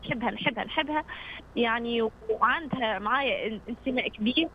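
A woman's voice: fairly high pitch, fast talker. A nineteen-year-old woman with a Tunisian accent speaks casually and hesitantly as a guest on a radio phone-in. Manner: hesitant, searching for words. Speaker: phone-in guest, amateur voice actor. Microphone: phone call. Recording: dull phone line with noise.

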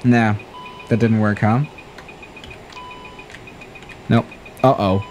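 A man's voice: fairly low pitch, drawn-out words, faint music behind. A young man streaming a flight sim, chatting loosely and getting flustered when things break, on a desk mic in a small room. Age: young adult. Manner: chatty, excitable, flustered by emergencies. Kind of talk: live-stream commentary. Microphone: studio mic on desk.

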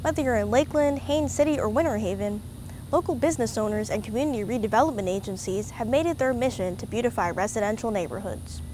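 A young woman hosting a show, with a fairly high voice and a bright, polished delivery. She reads a scripted introduction outdoors in a park. Clear outdoor ambient noise sits behind her. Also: fast talker. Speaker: show host. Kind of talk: scripted presenting.

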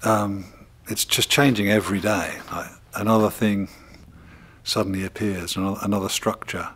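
A man's voice: lowish voice, fairly even intonation, normal speed, a bit bright, breathy edge. A middle-aged man speaking casually and in an understated way, filming a handheld video diary inside a large barn. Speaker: vlogger building a recording studio in a barn. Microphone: handheld camera at arm's length.

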